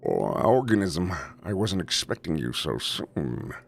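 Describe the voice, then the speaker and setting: A many-eyed tentacled male creature with a booming, sultry voice, as a man puts him on. He draws his words out slowly and seductively. The tone is deep and gravelly. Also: very animated, faint music behind, full character voice. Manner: slow, drawn-out, seductive.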